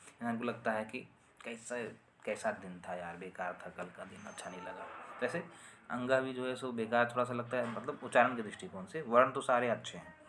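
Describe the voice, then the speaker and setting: A man's voice: medium pitch, noisy background. A man teaching a Sanskrit grammar lesson online, explaining with repetition and often asking "है ना?" to check understanding.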